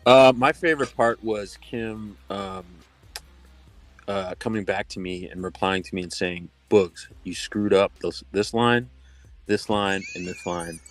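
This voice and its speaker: A man's voice: fairly low pitch, measured pace, no echo. A man chatting as a cast guest, laid-back and a little hesitant. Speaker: voice actor guest. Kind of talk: casual chat.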